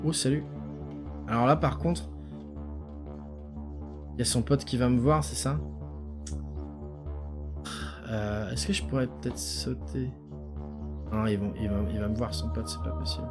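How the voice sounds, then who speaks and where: A man's voice: mid-range voice, steady tone, normal speed, long pauses. Casting: male streamer, casual swearing play-by-play, game music behind. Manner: chatty, swears freely, reacts aloud to play. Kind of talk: casual live game commentary.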